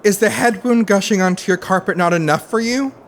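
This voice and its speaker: A man's voice: high-pitched, fairly quick, a bit bright, slight background noise. A man playing a sardonic, vengeful undead gay fictional character in an audio play, theatrical and campy.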